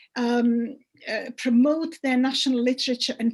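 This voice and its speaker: With a Czech accent, a woman speaks at a fairly slow pace in a high pitch with monotone, flat intonation. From Czech Republic, Prague. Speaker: literary organization director, panelist. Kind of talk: webinar panel talk. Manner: halting, many fillers.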